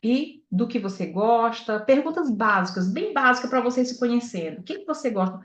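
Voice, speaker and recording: With a fairly high voice and a brisk delivery, a sales director gives an animated motivational talk. She recounts personal experiences and turns to the audience with direct questions. The audio is echoey, dull, and lo-fi.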